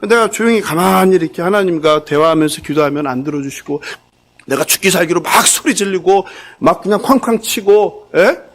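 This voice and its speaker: A man's voice: sits high, fairly quick. A male pastor preaching a sermon, keeps asking the congregation questions as he goes. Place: church sanctuary.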